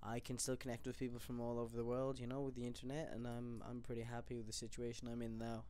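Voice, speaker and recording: A young man from England with an accent that drifts between English, Irish and American. He talks at a middle pitch in a frank, casual vlog, swearing now and then and stumbling through restarts and fillers. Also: monotone, fast talker, dark tone, clear, resonant tone. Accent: mixed English, Irish and American. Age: young adult. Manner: hesitant, rambling, many restarts and fillers. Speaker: vlogger. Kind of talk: personal reflective monologue.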